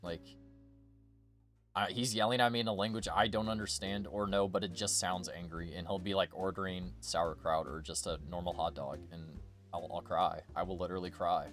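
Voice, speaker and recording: A man's voice: low voice, fairly even intonation, moderate pace, soft background music. A young man chatting casually as a streamer, rambling and joking with plenty of swearing. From United States. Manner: rambling, jokey, profane. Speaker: VTuber streamer.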